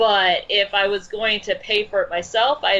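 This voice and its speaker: With an American accent, a woman speaks in a plain, everyday voice at a moderate pace with ordinary pitch variation. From US Midwest, Chicago. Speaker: comic writer. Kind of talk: casual chat.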